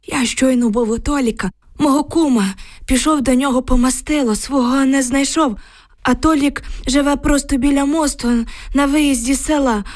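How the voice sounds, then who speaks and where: A woman's voice: high-pitched, fairly even intonation, moderate pace, darkish tone, voice pushed up, close to an everyday voice. A woman voicing a frightened village man of about seventy, who tells his news in a lamenting, emotional way.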